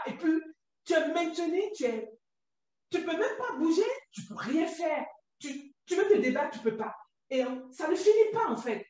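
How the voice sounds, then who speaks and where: A woman giving an emotional personal testimony, talking in a raw, halting way and often close to tears. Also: high voice, darkish tone. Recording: echoey room, distant from the mic.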